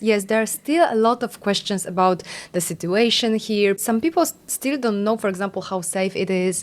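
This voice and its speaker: A woman from Poland with a Polish accent hosts a relaxed podcast conversation. She talks in English as a second language, affirming her guest often and laughing easily, at an ordinary mid pitch. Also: quick pace. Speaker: podcast host. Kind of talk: casual interview chat.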